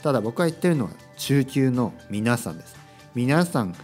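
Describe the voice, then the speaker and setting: A man from Kyushu talks through a casual solo podcast, his pitch swinging up and down in an animated, sing-song way. He repeats his points for emphasis and slips into playful acted-out exchanges. Soft music plays faintly behind him. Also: normal speed. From Kyushu, Japan. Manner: chatty, repeats phrases, acts out short dialogues. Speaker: podcast host teaching Japanese.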